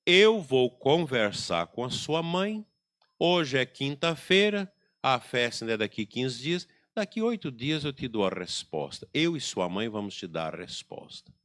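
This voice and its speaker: A no-nonsense father figure, measured and firm as he lays down rules for his child, acted out by a man. The voice is bright and swings widely in pitch as he spells out each point. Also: sing-song.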